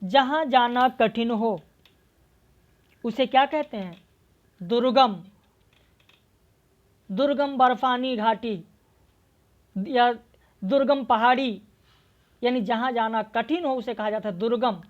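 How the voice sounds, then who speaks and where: A woman's voice: on the high side, slow pace, long pauses, lo-fi sound. A woman teaching an exam-prep language lesson. She explains word meanings and spellings step by step, asks questions and answers them herself. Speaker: Hindi literature teacher.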